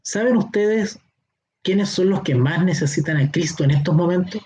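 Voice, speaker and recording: A man with a Chilean accent teaching a Bible seminar online. He explains slowly, stretches key words and keeps checking that his listeners follow. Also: sits high, warm tone. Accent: Chilean Spanish. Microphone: online class or teleconference.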